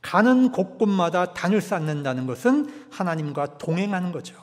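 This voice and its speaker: High, lively-voiced man preaching in a hall. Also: moderate pace. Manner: emphatic preaching, swinging from loud peaks to hushed drops. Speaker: pastor. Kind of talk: sermon. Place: church sanctuary. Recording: long church hall reverb.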